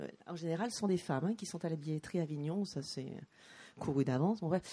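Dark, mellow female voice of fairly low pitch with ordinary pitch variation, captured in a very clean recording with a silent background. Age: 50s. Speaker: actress and producer. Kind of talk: panel discussion.

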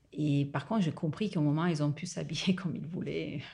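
In an Italian accent, a woman speaks at a moderate pace with a very deep, low pitch, vocal fry, and ordinary pitch variation. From northern Italy, near Milan. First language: Italian (speaking French). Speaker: social worker. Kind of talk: interview. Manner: halting.

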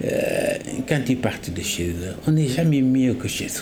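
There is audible room echo and noticeable background noise. A man speaks at a very slow pace with lively intonation. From Senegal. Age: 70s. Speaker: community association president. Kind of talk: interview. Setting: social café during a street event.

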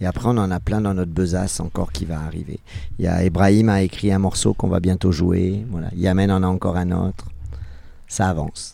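A man's very deep, low, dark and mellow voice at a fairly quick pace with fairly even intonation. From France. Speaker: clarinetist. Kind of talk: interview.

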